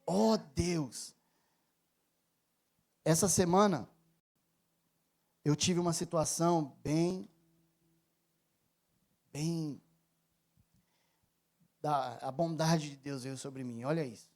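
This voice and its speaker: High-voiced Brazilian pastor in his thirties preaching; moves from quiet personal stories to loud, emphatic appeals. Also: very slow, pauses often. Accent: Brazilian Portuguese. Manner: personal storytelling, swings from soft confession to loud emphatic preaching. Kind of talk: sermon.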